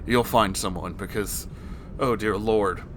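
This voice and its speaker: A man reading a story aloud as host and reacting to it, with an expressive, exasperated and sarcastic manner. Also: fairly low pitch, a little slow, noisy background. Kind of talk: story narration with reaction commentary.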